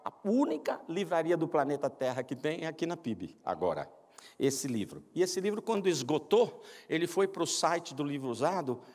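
Animated Brazilian pastor in a reverberant church. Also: male voice, a little high, moderate pace. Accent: Brazilian Portuguese. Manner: animated, acts out quoted voices, self-mocking jokes. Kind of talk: humorous sermon storytelling. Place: large church sanctuary.

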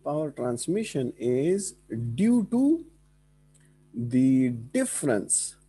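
Husky, mellow South Asian man lecturing. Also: mid-range voice, big pitch swings, very slow. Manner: mixes Hindi-Urdu phrases into English, checks understanding with short questions. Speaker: engineering lecturer. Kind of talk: classroom lecture with board working and questions to students.

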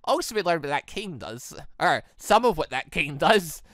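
A British gamer giving excitable, rambling let's play commentary and often breaking off mid-thought. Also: mid-range voice, normal speed, no room sound, clean studio sound. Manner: excitable, rambling, self-interrupting. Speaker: gaming video host. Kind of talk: let's play commentary, reading dialogue aloud. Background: game music.

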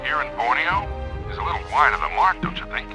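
An actor with an American accent playing an older, sceptical fortune hunter in a video game, gruff and dry. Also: male voice, fairly high pitch, big pitch swings, quick pace, music in the background. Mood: sceptical, urgent. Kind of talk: cinematic game acting.

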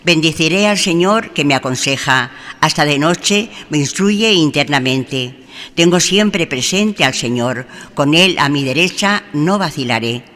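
A man's voice: fairly high pitch, expressive, a little slow, pushed and bright, slight background noise. A man reading the Scripture lesson and the responsorial psalm aloud at Mass in a formal, declaiming way, in a large church. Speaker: lector. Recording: church reverb with faint ambience.

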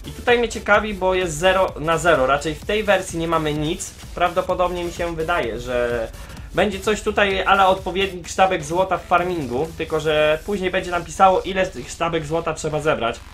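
A young man casually commenting on a farming game as he plays, chatting straight to his viewers and filling pauses with "e". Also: fairly high pitch, fairly bright tone. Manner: chatty, talks straight to viewers as "mordeczki", many fillers. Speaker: gaming YouTuber. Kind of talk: casual let's-play commentary. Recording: game music faint behind voice.

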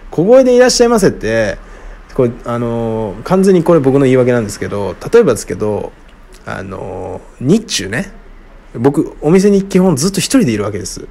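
A man answering listener questions alone in casual talk, frank and rambling with many fillers, often trailing off quietly. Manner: lively, wide pitch swings. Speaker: radio-style show host answering listener questions.

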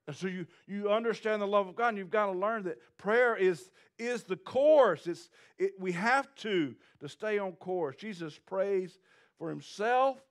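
A middle-aged pastor with a high, unhurried voice preaches to a small congregation seated before the church stage. He paces with wide gestures, his intensity rising as he builds toward emphatic, repeated lines.

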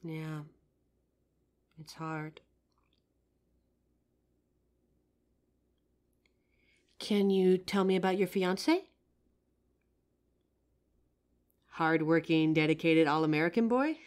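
A woman playing a friendly, curious psychic who helps out in a costume shop, chatting expressively to the listener in a roleplay audio drama. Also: deep voice. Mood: tender, curious. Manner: chatty, expressive, with pauses and soft laughs. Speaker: voice actor. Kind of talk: roleplay audio drama, one side of a chat addressed to the listener.

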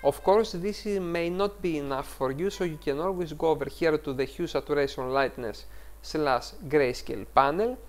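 A man's voice: fairly high pitch, moderate pace. A man with a Greek accent hosting a photo-editing tutorial, explaining each step over a screen recording and correcting himself as he goes. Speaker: tutorial host.

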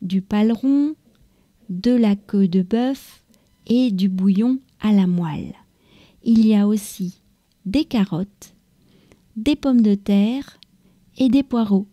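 A French woman hosting a podcast for learners, reading calmly and carefully. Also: medium pitch, dry recording, lo-fi sound. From France. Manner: calm, careful, unhurried reading. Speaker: podcast host. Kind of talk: slow read-aloud for French learners.

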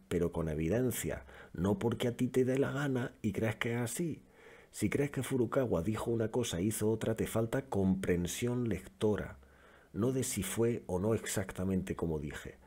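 A man's voice: fairly low pitch, expressive, moderate pace, mellow, breathy edge. A man, a gaming youtuber reading forum posts aloud in casual commentary, mocking them and laughing often.

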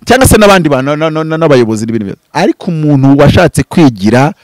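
Fiery fast-talking man preaching. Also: sing-song, no room sound. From Rwanda. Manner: impassioned, gesturing, swings from loud bursts to low murmurs. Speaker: pastor and prophet. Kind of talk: animated preaching-style interview talk. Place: outdoors before green foliage. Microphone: handheld mic held close.

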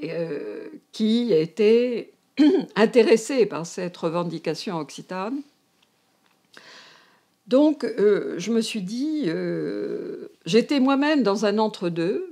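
Sitting indoors at home, a French emerita anthropology professor aged seventy or more recalls her career on camera, pausing to find the right words. She speaks with a northern, Parisian accent in a warm, creaky voice on the low side.

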